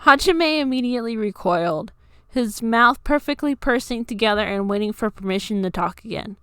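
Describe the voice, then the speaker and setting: Smooth-voiced woman narrator, very dry sound. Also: fairly high pitch, animated, moderate pace, a bit bright, no room sound. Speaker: narrator reading own fan fiction. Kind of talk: scripted story narration.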